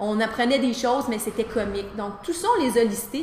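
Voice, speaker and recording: With a Quebec accent, a woman speaks at a fairly high pitch and fairly quick pace, with ordinary pitch variation and audible room echo. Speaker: teacher. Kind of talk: interview answer. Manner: casual, conversational. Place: classroom.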